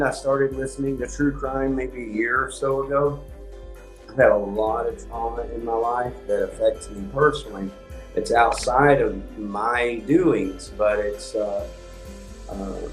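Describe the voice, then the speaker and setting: A man, hosting a livestream and rambling in a calm monotone with many ums. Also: mid-range voice, reverberant, poor audio. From Texas. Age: 50s. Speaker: house painting business owner hosting a livestream. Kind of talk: rambling casual livestream talk.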